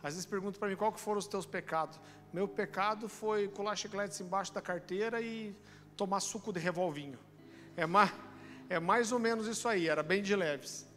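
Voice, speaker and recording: A man in his thirties with a Brazilian accent from Curitiba, preaching a sermon and telling a personal testimony in an animated storytelling way. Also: high voice, normal speed, long reverb tail. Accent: Brazilian Portuguese, Curitiba. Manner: animated storytelling, addresses listeners as brother. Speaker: pastor. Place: church auditorium.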